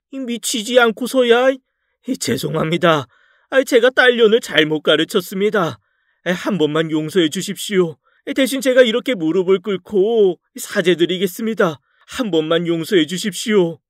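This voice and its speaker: A man voicing a proud, hot-tempered older father-in-law who shouts in outrage. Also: high voice, lively intonation, moderate pace, no echo, clean studio sound, pitched above the performer's own voice. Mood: pleading.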